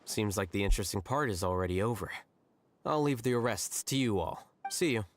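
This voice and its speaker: An actor playing an aloof, dry-witted young male scholar in a video game, deadpan and condescending. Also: fairly low pitch, a little fast, a little hiss or hum, close to an everyday voice. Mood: detached.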